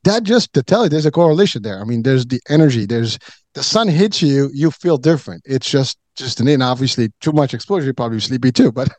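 A man's voice: medium pitch, animated, quick pace, darkish tone, no echo. A middle-aged man from Morocco chatting as a podcast guest, rambling with many fillers and restarts. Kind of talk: casual chat.

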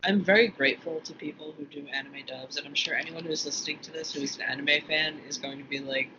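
A man's voice: on the high side, steady tone, quick pace. A man co-hosting a podcast, talking casually and rambling with restarts. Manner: rambling, many restarts, laughs easily. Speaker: podcast co-host. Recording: dull lo-fi audio with faint room noise.

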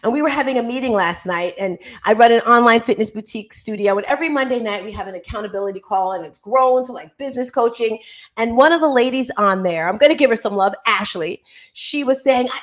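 High-pitched woman hosting a chatty online show. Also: a little fast. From Caribbean. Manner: animated, exclamatory, informal and playful. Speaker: talk show host.

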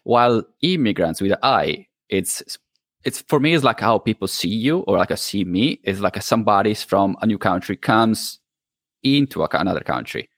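Halting Italian man with a hybrid accent. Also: lowish voice, expressive, no room sound, clean studio sound. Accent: Italian, mixed with New Zealand English. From Italy. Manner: halting, searches for words, many restarts. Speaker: guest, podcast host. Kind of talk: casual interview.

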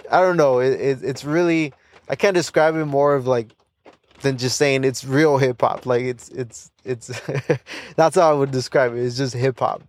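A man's voice: medium pitch, moderate pace. A young man hosting a casual solo podcast, loose and rambling with plenty of fillers, restarts and small laughs. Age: young adult. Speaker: podcast host.

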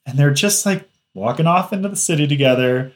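A man co-hosting a casual podcast, retelling anime scenes in a lively, laughing way. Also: on the high side, fairly quick. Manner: animated storyteller, laughs easily. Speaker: podcast co-host. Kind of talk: casual anime review chat.

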